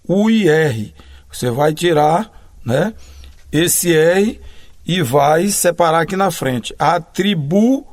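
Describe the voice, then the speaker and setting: A man's voice: on the high side, lively intonation. A male grammar teacher giving a lesson, spelling out letters one by one and answering his own questions. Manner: slow, deliberate, spells out letters and pauses between phrases. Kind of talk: recorded classroom lesson.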